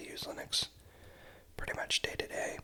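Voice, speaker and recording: Whispering, a man speaks at a moderate pace. Noticeable background noise runs underneath. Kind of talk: ASMR book reading, whispered. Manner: whispered.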